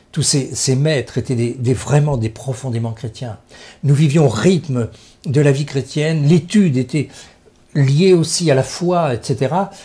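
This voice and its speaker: A fairly slow, somewhat breathy man's voice with a dark, mellow tone, fairly high pitch and ordinary pitch variation, on a very clean recording with a silent background. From western France, Poitou (Poitiers, Vendée). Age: 70s. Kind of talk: interview. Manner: hesitant, many fillers.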